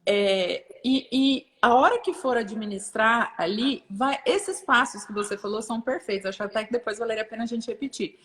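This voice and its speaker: A woman, an interview guest, explaining in rapid casual chat and acting out parent and child voices. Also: on the high side, slight background noise. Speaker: guest expert.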